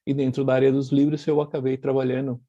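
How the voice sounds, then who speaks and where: A man's voice: medium pitch, flat delivery, quick pace, dark tone, no echo, dull audio. Argentine man presenting on a video call. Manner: thoughtful, many fillers and restarts. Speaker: guest speaker, publisher. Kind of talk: online lecture presentation.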